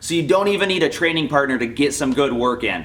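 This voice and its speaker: A man's ordinary speaking voice, fairly quick in pace, with lively intonation. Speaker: karate instructor. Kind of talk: martial arts tutorial talk to camera. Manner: upbeat.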